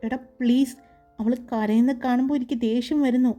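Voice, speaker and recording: A woman's voice: a little high, steady tone, brisk, warm tone, faint music behind, natural voice. A woman reading the lines of a playful, confident young groom in a storybook narration. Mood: pleading.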